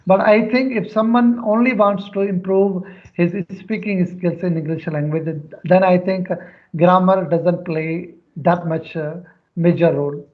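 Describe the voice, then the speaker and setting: A Pakistani man whose first language is Sindhi, a schoolteacher speaking careful, earnest English as a guest in a casual practice conversation, pausing often with filler sounds. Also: high voice, fairly even intonation, narrow, tinny audio. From Pakistan, near Karachi.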